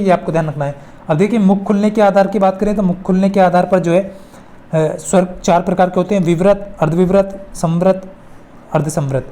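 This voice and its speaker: A woman's voice: on the low side, dark tone. A woman teaching an informal exam-prep lesson, working through questions step by step and repeating phrases for emphasis.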